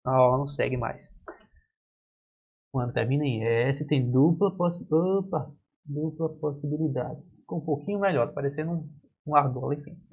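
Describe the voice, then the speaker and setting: A man's voice: mid-range voice, slightly rough, dull audio. A man with a Brazilian accent teaching an online grammar lesson, explaining step by step and asking and answering his own questions. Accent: Brazilian Portuguese.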